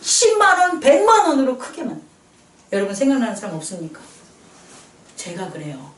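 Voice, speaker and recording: A woman pastor preaches with a high, lively voice that swings up and down. She acts out little quoted voices and laughs between points. Her voice is picked up from a distance and rings around an echoey church hall. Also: fairly quick. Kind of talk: sermon.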